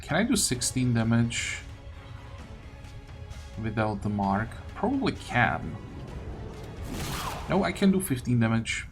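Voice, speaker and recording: A man talks through a video game in a casual way, unhurried but with very lively, swinging intonation. He thinks aloud and puts questions to himself, with game music clearly playing behind him. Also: medium pitch. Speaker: gaming video host. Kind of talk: casual gameplay commentary.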